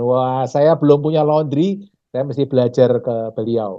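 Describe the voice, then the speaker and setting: The speaker has a Javanese accent. The tone is dark and mellow. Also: man. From Yogyakarta, Java. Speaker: YouTube host, property investment educator. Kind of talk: interview. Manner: animated.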